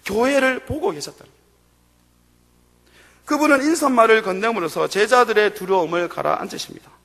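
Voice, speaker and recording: A male pastor delivers a sermon in a church sanctuary, his high, bright voice carrying a gravelly edge. He builds to emphatic, raised passages. The sound rings with long hall reverb. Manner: preaching with rising, emphatic bursts.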